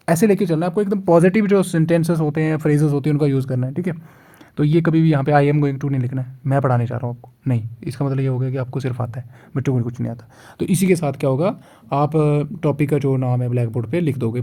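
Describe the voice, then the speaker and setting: Young male tutor, slightly high, mellow tone, casual walkthrough, frequent check-ins. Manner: repeats checks like "theek hai", reads written lines slowly. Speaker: teacher explaining a lesson plan. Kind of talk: casual teaching walkthrough, mixing Hindi and English.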